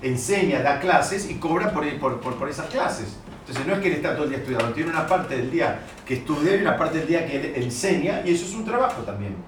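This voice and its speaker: A man's voice: a little high, animated, fast talker, hardly any pauses, background noise. Rioplatense man teaching Torah in an echoey room. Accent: Rioplatense Spanish. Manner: poses rhetorical questions to the class and rephrases often. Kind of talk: explanatory classroom lesson. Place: classroom with students. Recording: roomy recording with mic at a distance.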